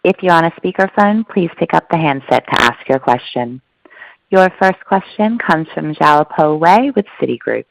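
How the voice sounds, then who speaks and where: A woman's voice: low voice, lively intonation, normal speed, gravelly, no echo, rough recording. A woman conference call operator reading out scripted instructions to callers.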